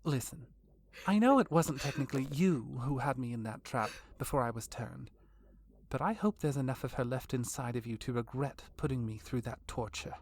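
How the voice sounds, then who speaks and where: A woman's voice: a bass voice, normal speed, a little mellow, slight background noise. A woman playing a cold, vengeful vampire villainess in an audio drama, taunting with genteel menace. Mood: gloating menace.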